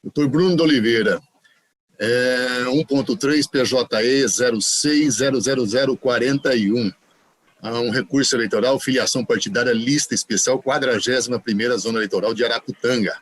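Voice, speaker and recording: A man presiding over a court session, announcing results and calling cases in a steady, formulaic way. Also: medium pitch, normal speed, no room sound. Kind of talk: formal announcements.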